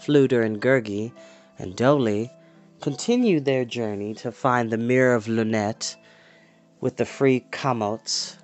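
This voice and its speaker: A man in his twenties reads a fantasy storybook aloud as host. His voice is medium-pitched and expressive, with casual asides and faint music behind him. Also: unhurried. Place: small home room, indoors.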